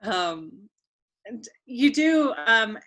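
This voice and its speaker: A woman with a bright, crisp voice, hosting an interview. She asks her questions in a friendly, slightly hesitant way, filling the pauses with "um" and "like". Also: fairly high pitch, very animated. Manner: friendly, hesitant, many fillers. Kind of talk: conversational interview.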